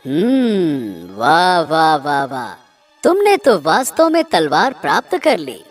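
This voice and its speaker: A man voicing a sly cursed black swan in a cartoon, with drawn-out theatrical delivery. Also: fairly high pitch, wildly swooping pitch, soft background music, full character voice. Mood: impressed, grave.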